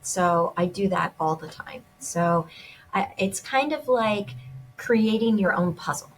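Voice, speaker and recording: A woman's voice: mid-range voice, slow, slight background noise, low-quality recording. A woman gemologist and jewelry designer speaking as an interview guest, enthusiastic and often restarting her sentences.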